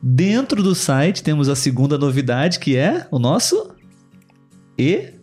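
A man's voice: a little high, very animated, unhurried, a little mellow, slightly rough, faint music behind. A man with a Brazilian Portuguese accent, hosting a podcast in a casual, chatty way with many fillers and asides to his co-host.

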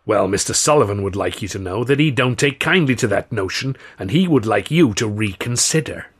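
A man voicing a hulking, slow-witted gangland thug in an audiobook, ponderous and politely threatening. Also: on the low side, animated, breathy edge. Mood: polite menace. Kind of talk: audiobook character dialogue.

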